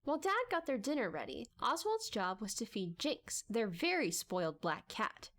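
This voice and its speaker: Lively, high-voiced woman narrating a story. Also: moderate pace. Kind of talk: dramatic audiobook-style scripted narration.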